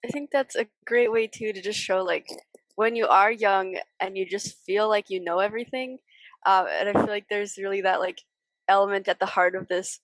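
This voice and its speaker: A young woman interviews as a podcast co-host, with a medium-pitched voice recorded very dry. She talks casually and a little hesitantly, in loose, informal phrasing. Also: fairly even intonation, moderate pace, dry recording, rough recording. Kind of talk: casual literary discussion.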